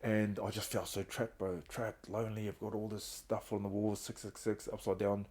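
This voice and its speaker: Earnest and open about hard times, a middle-aged man who founded a reintegration trust shares his own story candidly as a podcast guest. He speaks at normal speed in a fairly low, darkish voice with flat delivery.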